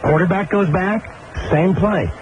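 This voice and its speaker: A middle-aged man, a radio host, telling a long story and getting animated, with laughs and shouts at the high points. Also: unhurried. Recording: dull old radio broadcast tape with hiss.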